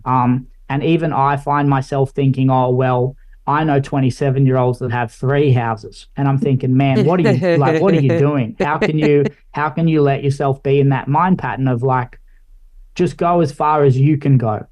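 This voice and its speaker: A man's voice: mid-range voice, moderate pace. A man in his late twenties with an Australian accent, a guest on a podcast, chatting casually and rambling a little with lots of "like" and "I guess". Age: late 20s. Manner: relaxed, rambling, many fillers like "like" and "I guess". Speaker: guest, finance analyst.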